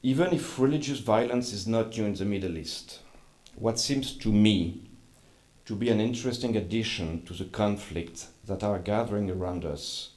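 A man, a journalist and scholar giving a formal conference lecture in careful, measured English. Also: fairly low pitch, a little mellow. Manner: careful, measured delivery with an apology for his accent.

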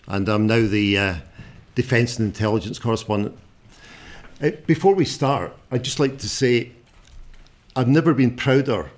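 A man in his sixties speaks with a broad, strong Scottish accent at a middling pitch. He is a journalist giving an unscripted public talk, and his delivery is informal, plain-spoken and somewhat halting. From Scotland. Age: 60s.

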